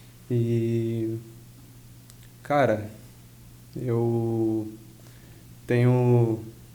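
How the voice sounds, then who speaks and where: A medium-pitched male voice with audible room echo. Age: 20s. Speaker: barber and business owner. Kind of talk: podcast interview, casual chat. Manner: informal, frequent filler 'cara'.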